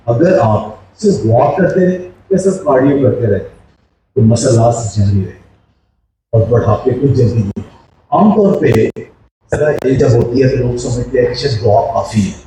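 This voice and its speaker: A man's voice: mid-range voice, mellow. A man in his sixties with a Pakistani accent explains health matters, posing questions and mixing in English terms. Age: 60s. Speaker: health educator. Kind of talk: explanatory health video talk. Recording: echoey, distant mic, faint noise.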